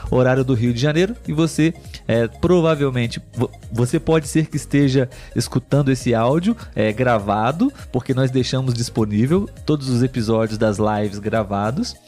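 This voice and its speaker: A Brazilian man co-hosts a live podcast, speaking in a slow and deliberate way meant for learners. He keeps checking in with his audience and his co-host as he goes. A faint music bed plays underneath him. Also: mid-range voice, darkish tone. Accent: Brazilian Portuguese. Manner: slow, clear, teacherly delivery with frequent "né?" checks.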